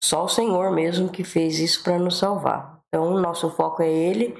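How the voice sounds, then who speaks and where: A woman's voice: lowish voice, fairly even intonation, normal speed, vocal fry, roomy sound. A Brazilian woman with a flu-congested, swollen-throat voice, giving a devotional talk and Bible reading.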